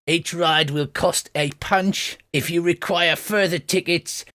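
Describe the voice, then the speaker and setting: A grumbling, half-deaf old goblin behind a carnival ticket counter, put on by a man. He drawls his words out slowly in a slightly raised voice, peering at customers and muttering complaints. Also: on the high side, fairly even intonation, bright, forceful tone. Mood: businesslike. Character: elderly male goblin ticket seller, hard of hearing, gruff.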